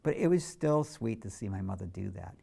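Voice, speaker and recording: Middle-aged guy with a gravelly voice, talking candid and reflective for a documentary. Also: fairly low pitch, animated, brisk, mellow, slight background noise. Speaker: photographer. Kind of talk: documentary interview narration.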